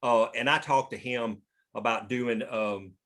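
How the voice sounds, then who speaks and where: A man's voice: medium pitch, steady tone, measured pace, a bit bright. Emphatic man talking shop casually. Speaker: screenwriter leading a script table read. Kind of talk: casual discussion.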